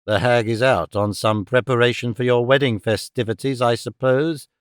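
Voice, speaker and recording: A man's voice: medium pitch, fairly even intonation, normal speed, smooth, no echo, studio quality, lightly acted. A man voicing a stern, cold-hearted moneylender who speaks in a grim, menacing way.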